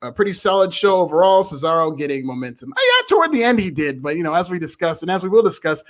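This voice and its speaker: A man's voice: high voice, big pitch swings. A man hosting a wrestling podcast, chatting casually and reading out viewer messages. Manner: quick, agreeable, reads viewer messages. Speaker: podcast host. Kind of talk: casual chat.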